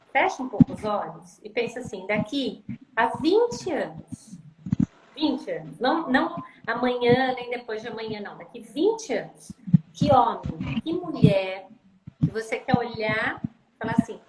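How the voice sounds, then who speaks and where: Woman therapist on a live video call, kinda high voice, stresses stuff by repeating it, echoey room. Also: big pitch swings, a little slow. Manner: emphatic, repeats phrases for stress. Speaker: speech therapist guest. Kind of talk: live-stream conversation on parenting. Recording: echoey room with loud background noise.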